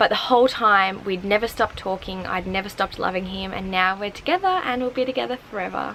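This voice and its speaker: A woman with an Australian accent talks at a fairly quick pace and medium pitch. There is noticeable background noise. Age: 20s. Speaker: vlogger. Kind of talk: casual vlog monologue. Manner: fast when excited.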